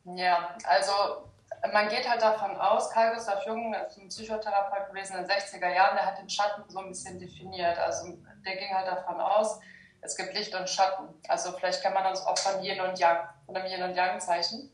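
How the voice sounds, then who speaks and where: A young adult woman from Germany, a shadow work practitioner appearing as a guest, explains her practice in a casual interview. Her mid-range voice is a little fast with little pitch movement, and she sounds hesitant, using many fillers. The audio is roomy and distant.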